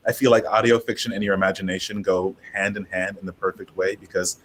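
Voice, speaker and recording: A man's voice: low-pitched, fairly even intonation, fast talker, a bit bright, slight background noise, rough recording. A man chatting casually as a panelist, effusive and peppering his talk with "like". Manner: effusive, heavy use of "like". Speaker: panelist, audio drama creator.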